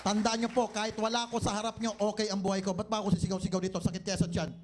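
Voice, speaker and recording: A man's voice: sits high, level tone, rapid-fire, slight background noise. A man with a Filipino accent, the owner of a company, giving a live sales seminar and teasing his audience with jokes and rhetorical questions.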